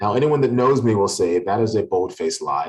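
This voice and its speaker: A man is speaking. His tone is animated. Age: young to middle-aged. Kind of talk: presentation to online audience.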